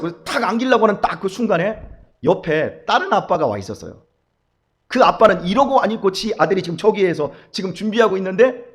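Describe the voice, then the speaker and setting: A middle-aged man preaching a dawn sermon, telling stories and acting out the voices of the people in them. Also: high voice. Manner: storytelling, animated, acts out quoted voices. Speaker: pastor.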